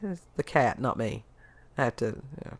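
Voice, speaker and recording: A woman's voice: very deep voice, expressive, normal speed. A middle-aged woman with a congested, stuffy voice, chatting casually as a podcast host and telling wry stories. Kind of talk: casual chat.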